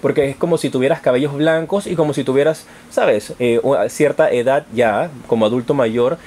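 A man's voice: mid-range voice, moderate pace, a little mellow. A man hosting an informal tarot horoscope, addressing viewers directly in an affectionate, encouraging manner. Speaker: tarot reader and channel host.

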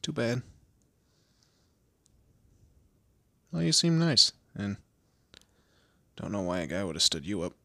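A man playing a weary, wry kidnapped guy in a roleplay audio drama, speaking haltingly and conversationally. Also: fairly low pitch, big pitch swings, vocal fry, bright, forceful tone, no echo, clean studio sound, exaggerated voice. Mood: casual, friendly. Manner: hesitant, halting, sardonic.

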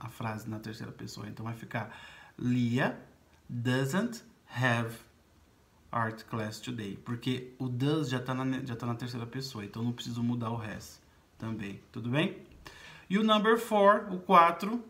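A man's voice: mid-range voice, fairly bright tone. A man with a Brazilian Portuguese accent teaching an online English lesson, explaining step by step and checking in with his students. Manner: explains slowly in Portuguese, reading English words and sentences aloud; frequent check-ins to students.

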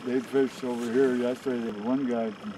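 A man's voice: mid-range voice, steady tone, brisk, dark tone, poor audio. A chatty man telling stories while out fishing on a frozen lake with friends. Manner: chatty, storytelling. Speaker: fishing companion. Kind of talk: casual chat. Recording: faint outdoor noise.

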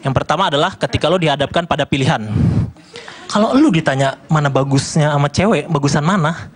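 A young man performing a stand-up comedy set on a TV studio stage, speaking into a handheld mic and jumping into animated voices for the dialogue he acts out. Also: fast, breathy edge. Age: young adult. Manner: animated, jumps into high-pitched voices for acted-out dialogue. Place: TV studio stage with live audience.

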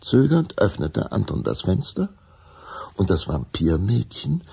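A man narrating a children's radio play as an unhurried storyteller, with a dark, husky, gravelly voice. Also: sits low, sing-song, heavily acted. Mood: measured.

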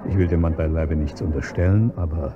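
An actor playing a wealthy husband in a radio play, politely but dryly probing. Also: male voice, a bass voice, steady tone, fairly quick, highs cut off, background noise. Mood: suspicious. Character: wealthy suspicious husband, man.

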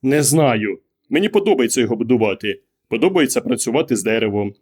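A man reading an audiobook, voicing a quiet, withdrawn husband who gives terse, hesitant, muttered answers. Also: mid-range voice, expressive, fast talker, close to an everyday voice. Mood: evasive. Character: quiet, withdrawn middle-aged husband, evasive. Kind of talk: audiobook character voice.

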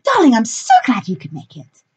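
A woman's voice: a little high, huge pitch swings, a little fast, slightly rough, pitched above the performer's own voice, heavily acted. A woman playing a theatrical darling-dropping director. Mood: grand. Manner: affected, calls everyone darling. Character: theatrical woman stage director, doting and grand.

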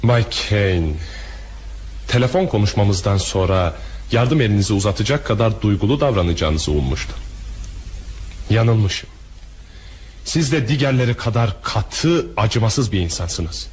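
A man's voice: on the low side, lively intonation, normal speed, pauses often, a little mellow, husky. A man acting a proud, bitter hotel owner with a vengeful streak in a crime radio drama. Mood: bitter, menacing. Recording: faintly noisy radio drama recording.

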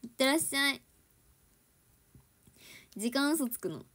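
A young woman with a Kansai accent, an idol livestreamer at home, chats casually with her viewers, giggling a lot and moving between standard Japanese and Kansai dialect. Her voice is high, animated, slightly slow, pushed and bright.

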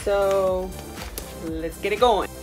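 A woman's voice: mid-range voice, fairly even intonation, slow, music in the background. A young woman with a Native American reservation accent, talking in a casual, informal, rambling vlog style. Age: young adult. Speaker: vlogger. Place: small room indoors.

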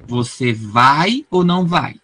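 A man's voice: on the high side, animated, slow, pushed and bright, breathy edge, heavily acted. A Brazilian man playing a cocky, playful teenage prince in a comedic audio drama. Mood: boastful, scheming. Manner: playful, boastful. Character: cocky teenage prince, dreamy girl-chasing schemer.

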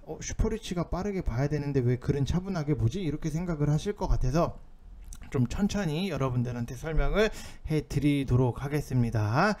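A man's voice: a little high, expressive, brisk, a little mellow. A man hosting an informal stock market commentary, explaining things in an insistent, somewhat urgent way. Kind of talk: informal market commentary over on-screen notes.

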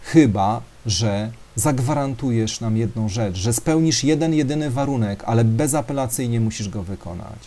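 A man's voice: medium pitch, animated, moderate pace, few pauses, warm tone, natural voice. A man voicing a wise old soul in a spoken parable, firm and persuasive.

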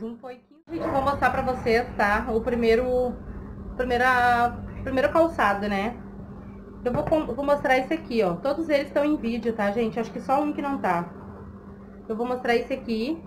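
High-voiced woman, noisy recording. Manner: conversational, frequent checking tags to the listener. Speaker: vlogger. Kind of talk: casual chat to camera, giving tips. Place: small room at home, indoors. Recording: clearly noisy home recording.

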